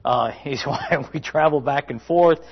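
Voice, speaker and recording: A man in his fifties preaching a conversational sermon, rambling and halting through family stories with folksy asides to the congregation. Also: fairly high pitch, husky, dull audio. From South Florida.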